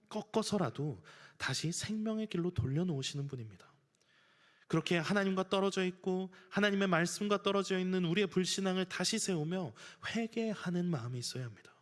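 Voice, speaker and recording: Korean pastor preaching in a reverberant church. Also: male voice, a little high. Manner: earnest preaching, acts out household scenes. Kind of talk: sermon. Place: church sanctuary.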